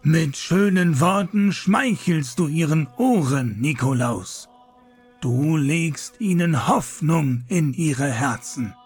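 A stern old priest in a radio drama, speaking very slowly in a husky, somewhat high voice. He admonishes solemnly, like a father correcting his charge. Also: darkish tone, soft background music. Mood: concerned admonishing. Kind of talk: German radio play acting.

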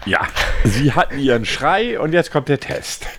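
A man's voice: mid-range voice, sing-song, unhurried, background noise. A man co-hosting a casual podcast, joking and rambling with a self-satisfied tone. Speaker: podcast co-host.

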